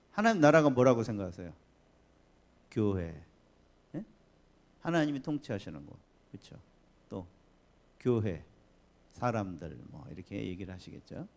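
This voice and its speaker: Male pastor, sermon, conversational, animated swoops in pitch, laughs and asks questions. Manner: lively, conversational preaching with laughs and rhetorical questions. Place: church sanctuary.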